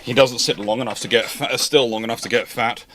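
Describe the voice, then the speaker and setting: A man's voice: medium pitch, steady tone, fast, fairly bright tone, slight background noise. A man with a Scottish accent hosting a live naval history Q&A, chatty and rambling, laughing at his own jokes. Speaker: naval history channel host. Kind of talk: casual live Q&A chat.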